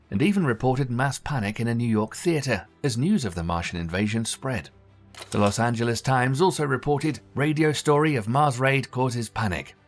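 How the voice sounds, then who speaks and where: A man reading a scripted documentary narration in a measured, even storytelling manner. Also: on the low side. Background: faint background music.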